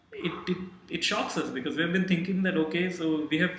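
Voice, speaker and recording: The speaker is a man. Noticeable background noise sits behind his voice. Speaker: film director. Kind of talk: casual talk to camera. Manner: unscripted, hesitant.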